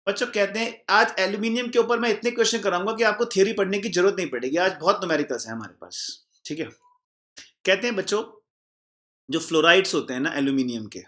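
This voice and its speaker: A man teaches an exam-prep chemistry lesson with a bright, fairly high voice. He turns every point into a question for his "children" and answers it himself. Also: expressive, fast. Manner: explains by repeating, asking the class and answering himself; calls the students "children" warmly.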